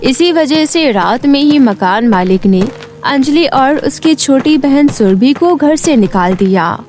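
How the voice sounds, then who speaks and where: A woman's voice: high-pitched, expressive, takes it slowly, darkish tone, faint music behind. A woman narrating a scripted children's story as a storyteller.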